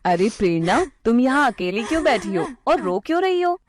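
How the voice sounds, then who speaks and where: A woman voicing a kind schoolteacher who speaks gently and reassuringly. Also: on the high side, very animated, a little fast, slight background noise. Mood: consoling. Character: kind, patient female schoolteacher.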